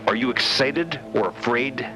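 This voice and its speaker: A man voicing a serene, dignified matriarch of a scholarly order in an audio drama, speaking formally, with measured reassurance. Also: mid-range voice, over music, close to an everyday voice. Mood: solemn encouragement. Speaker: actor in a fiction podcast.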